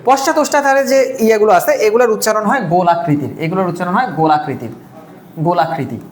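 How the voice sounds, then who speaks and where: Woman teacher for a live exam-prep stream, rapid delivery, repeats key terms, roomy echo. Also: medium pitch. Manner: repetitive drilling, asks and answers own questions.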